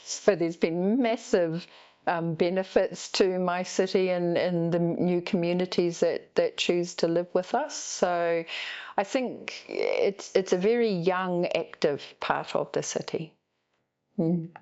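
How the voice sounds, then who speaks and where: A woman with a New Zealand accent answers interview questions in an earnest, friendly way, pausing with frequent fillers. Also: lowish voice, a little mellow, reverberant, dull audio. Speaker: institute representative.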